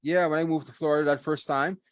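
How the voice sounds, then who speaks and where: A man's voice: on the high side, steady tone, quick pace, no echo, studio quality. A man co-hosting a live podcast, chatting casually, laughing often and repeating "okay, okay.". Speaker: podcast co-host.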